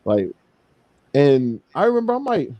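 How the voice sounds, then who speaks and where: Animated, profane man telling stories. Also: fairly high pitch, measured pace, dry recording, muffled recording. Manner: profane, animated, laughs often. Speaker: podcast host. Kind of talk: casual storytelling chat. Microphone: video call stream.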